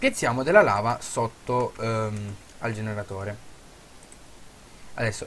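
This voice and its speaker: A man's fairly low voice with a slight southern Italian accent and ordinary pitch variation. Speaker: gaming YouTuber. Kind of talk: let's play tutorial. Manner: casual, hesitant with fillers.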